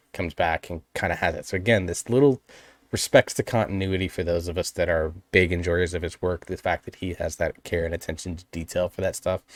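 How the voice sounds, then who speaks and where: A man with a low voice talks through a song in a casual reaction video. He is earnest and appreciative and picks out small details. He speaks close to the microphone in a dry, dead room. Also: dry recording. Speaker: music reaction video host. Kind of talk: casual spoken music analysis.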